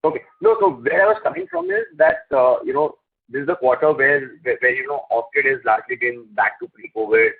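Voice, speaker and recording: A man's voice: medium pitch, big pitch swings, a little fast, vocal fry, husky. A man with an Indian accent, an analyst hesitantly framing questions on an earnings call and repeating words as he goes. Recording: narrow tinny phone line.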